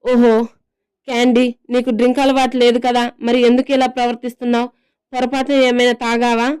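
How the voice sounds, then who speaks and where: A woman voicing a patient, amused young husband who asks gentle, puzzled questions. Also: fairly high pitch, completely flat delivery, brisk, smooth, dry recording, studio quality, close to an everyday voice. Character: patient, amused young husband caring for his tipsy wife.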